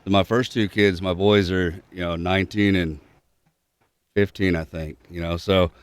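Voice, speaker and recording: A man's voice: sits low, steady tone, measured pace, smooth, no room sound. A man in his forties from Texas co-hosting a podcast with casual, joking chat. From Texas, United States. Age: 40s. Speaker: podcast co-host, voiceover artist.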